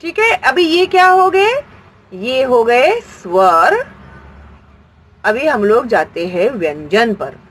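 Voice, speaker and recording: A woman's voice: a little high, big pitch swings, slow pace, pauses often, slightly rough, poor audio. A woman teaching a grammar lesson, patient and explanatory, asking questions and answering them herself.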